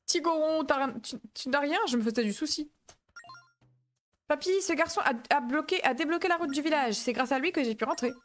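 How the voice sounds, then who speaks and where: A woman's voice: sits high, brisk, faint music behind, voice pushed up, lightly acted. A woman voicing a worried Goron grandmother in a raised, fretful reading voice.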